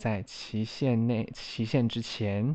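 A man with a medium pitch. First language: Mandarin Chinese. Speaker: English language teacher. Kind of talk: language-learning tutorial. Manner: slow, deliberate, repeating each sentence.

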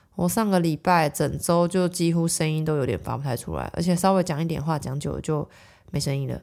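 In a very clean recording with a silent background, a woman with a very deep, low pitch speaks at a fairly quick pace with ordinary pitch variation. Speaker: podcast host, dietitian and parent. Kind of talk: casual solo monologue.

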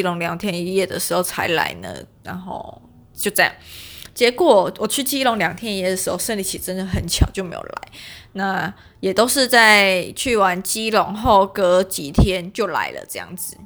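A woman talks at a moderate pace and medium pitch with ordinary pitch variation. Her loudness swings widely. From Taiwan, Kaohsiung. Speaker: podcaster. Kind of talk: casual monologue. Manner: hesitant, many fillers.

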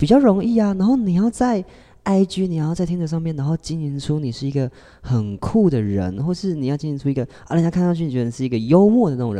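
At a fairly quick pace, the voice carries a dark, mellow tone with very wide pitch swings. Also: man. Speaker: podcast guest. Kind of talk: casual chat.

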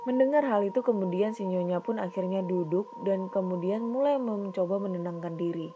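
A natural read-aloud voice with ordinary shifts in pitch

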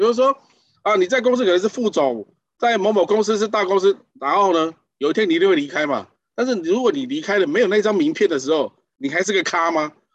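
In an animated tone, a man talks at a very fast pace with a high pitch and lively intonation. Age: 40s. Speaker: e-commerce marketing lecturer. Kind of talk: lecture. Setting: livestream.

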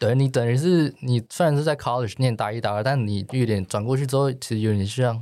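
Speaking at a fairly quick pace, a man has a dark, mellow tone and ordinary pitch variation. He barely pauses at all. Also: medium pitch for a man, very clean recording, silent background. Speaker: university student. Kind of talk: casual interview.

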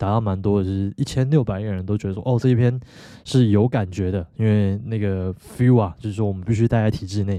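A man with a dark, mellow tone and fairly low pitch talks at a fairly quick pace. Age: 30s. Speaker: podcast host. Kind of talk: solo monologue. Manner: casual, filler-heavy.

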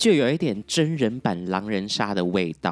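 A man's voice, medium in pitch, rises and falls with lively intonation on a very clean recording where the background is silent. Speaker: podcast host and songwriter. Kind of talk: casual solo podcast. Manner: animated.

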